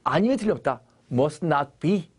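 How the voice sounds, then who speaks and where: A man's voice: fairly high pitch, expressive, measured pace, husky. A male English teacher giving a Bible-based grammar lesson, asking the class questions and answering them himself.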